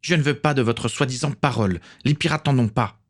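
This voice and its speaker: A man's voice: medium pitch, brisk, slightly rough, voice pushed up, close to an everyday voice. A man voicing a protective, defiant teenage boy who talks in a tense, raised voice.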